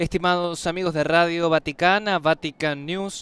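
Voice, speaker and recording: A man's high-pitched voice moves at a fairly slow pace. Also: dry sound with no echo. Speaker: radio commentator. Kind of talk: broadcast commentary. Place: studio.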